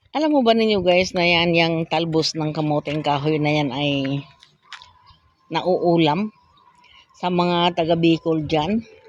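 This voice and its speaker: A woman speaks fairly slowly in a fairly low voice, leaving long, frequent pauses. Her pitch varies in an ordinary way. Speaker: vlogger. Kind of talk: casual vlog talk to camera while walking outdoors. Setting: outdoors.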